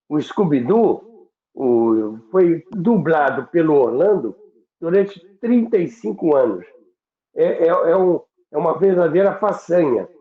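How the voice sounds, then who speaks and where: Slow-spoken Brazilian man, phone-like sound. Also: fairly high pitch. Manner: halting, repeats words for emphasis. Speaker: radio history show host. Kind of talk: reminiscing in conversation. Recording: roomy, phone-like connection.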